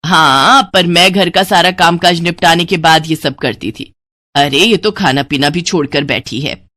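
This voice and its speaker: A woman's voice: on the low side, unhurried, sharp tone, dry recording. A woman voicing an exasperated, scolding middle-aged mother in a storybook tale. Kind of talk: storybook voice acting.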